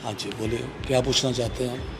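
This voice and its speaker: A middle-aged man, a businessman guest who tells anecdotes slowly and deliberately. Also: medium pitch, fairly even intonation, noisy background. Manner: slow, deliberate anecdote teller. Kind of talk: casual interview chat.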